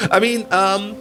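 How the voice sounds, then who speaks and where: A man's voice: high-pitched, a bit bright. A man from Germany whose first language is Dutch, chatting casually on a live gaming stream and laughing often between remarks. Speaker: game streamer.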